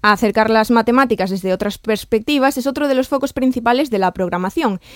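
A woman's voice: fairly high pitch, a little fast. A woman reporter reading a scripted news piece in a polished way.

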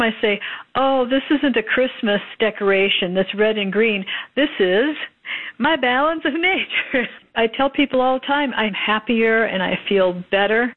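A woman giving an enthusiastic, chatty customer testimonial. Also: medium pitch. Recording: tinny phone-like audio.

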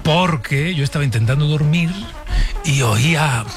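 A man's voice: fairly high pitch, a little slow, music in the background. A man hosting a radio show, chatting casually and teasing his guests in the studio. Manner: lively, teasing.

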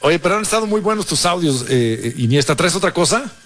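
A man, co-hosting radio banter with teasing, quick retorts. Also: high-pitched, expressive. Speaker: radio co-host. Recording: loud music under the voice.

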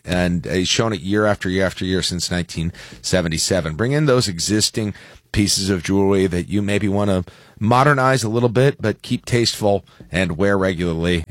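An American man hosting a morning radio show with casual, joking banter and halting self-corrections, close on a studio microphone. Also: low voice, no room sound.

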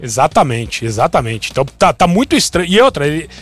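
A man, hosting a sports talk show in a chatty, animated way, with frequent restarts. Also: on the high side, quick pace.

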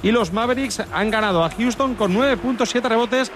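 A man's voice: high-pitched, moderate pace, over music. A man with an accent from Spain reading out sports scores and statistics on the radio. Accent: Spanish from Spain. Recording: radio broadcast with faint background noise.

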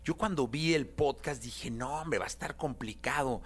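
A man's voice: medium pitch, normal speed, slightly rough. A man hosting an interview, affirming and prompting his guest. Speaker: interviewer host. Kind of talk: interview questions.

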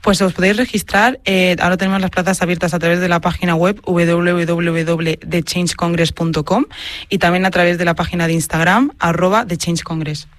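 A woman's voice: fairly low pitch, fairly even intonation, fairly quick, no room sound. Woman, interview guest, earnest, promotional, dry close sound. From Spain, Madrid. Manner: earnest, promotional, explains at length. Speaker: guest, founder of a sports marketing agency. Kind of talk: radio interview.

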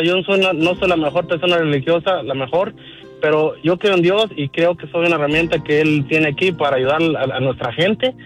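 On a rough recording, a middle-aged car dealer from Mexico speaks with a Mexican accent in a voice on the high side. He's a guest in a casual radio interview, warm and folksy, using many fillers.

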